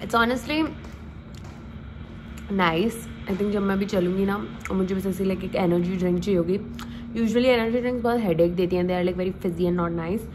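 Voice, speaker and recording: A young woman from India, with an Indian English accent, chatting casually in an animated travel vlog, switching between Hindi and English and swearing often. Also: mid-range voice, normal speed, background noise. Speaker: vlogger. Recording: background music over the talk.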